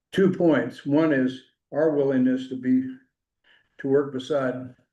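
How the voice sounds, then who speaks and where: With an American accent, a man talks at a fairly slow pace in a dark, mellow tone, and audible room echo surrounds his voice. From Roanoke area, Virginia. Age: 70s. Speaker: resident speaking at public hearing. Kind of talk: public comment at hearing. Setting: council chamber with microphones. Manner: halting, many restarts.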